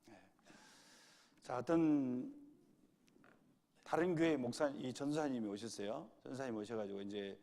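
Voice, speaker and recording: A man's voice: mid-range voice, fairly even intonation, a little slow, long pauses, dark tone. A male pastor preaching a sermon to his congregation in a church hall, quizzing them with repeated right-or-wrong questions.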